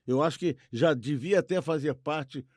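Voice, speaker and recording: A man's voice: a little high, moderate pace. An older Brazilian man co-hosting in a casual, chatty way, affirming his partner and seeking agreement with tag questions. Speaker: co-host. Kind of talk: casual chat.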